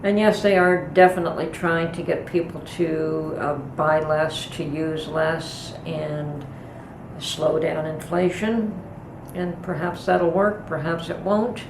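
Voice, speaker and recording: A middle-aged woman talks through her baking and her thoughts in a calm, unhurried way, pausing now and then. Her low voice has a gravelly edge. The recording was made in an echoey home kitchen, with clear background noise. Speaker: homestead channel host. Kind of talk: casual kitchen vlog chat.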